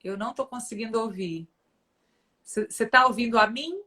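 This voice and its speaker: A woman's voice: fairly high pitch, brisk, bright, forceful tone. A woman hosting a casual live stream, chatty and addressing viewers directly. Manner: chatty, fillers like né, talks to audience.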